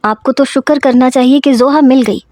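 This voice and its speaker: A woman voicing a kind young man who coaxes gently and reassures. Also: sits high, steady tone, no echo, studio quality, close to an everyday voice. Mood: reassuring. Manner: gentle, coaxing.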